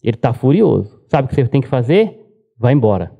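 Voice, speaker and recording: A calm, scheming mother, Rebekah, confides in her son in a dropped, hushed voice, as a preacher puts her on. The tone is dark and mellow. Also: medium pitch, brisk, vocal fry, voice pushed down. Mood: confiding.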